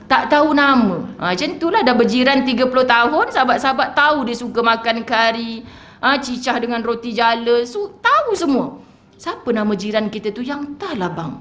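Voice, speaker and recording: Higher-voiced Malaysian woman preaching. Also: fairly quick. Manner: lively, acts out conversations, asks the audience questions. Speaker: religious teacher giving a mosque lecture. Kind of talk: sermon. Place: mosque hall. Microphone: wireless mic.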